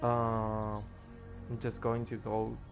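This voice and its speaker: A man's voice: fairly low pitch, monotone, extremely slow, creaky. A tired man streaming a game, losing his voice and rambling as he plays, with faint music behind him. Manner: rambling, restarts when moved. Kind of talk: casual gameplay commentary.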